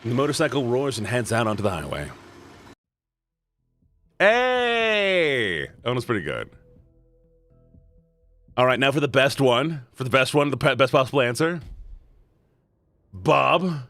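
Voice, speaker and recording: A man streaming a story game, reading the text aloud and chatting playfully with his viewers in an animated way. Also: medium pitch, unhurried, long pauses, dry recording, faint music behind. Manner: animated, playful, shouting at times. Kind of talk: reading a visual novel aloud to chat.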